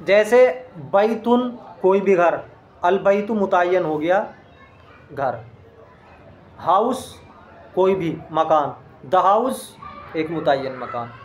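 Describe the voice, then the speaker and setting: High-voiced man teaching Arabic grammar. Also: expressive, slow, pauses often, muffled recording, a little hiss or hum. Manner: explains step by step, quizzes the listener with questions. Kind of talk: classroom grammar lesson.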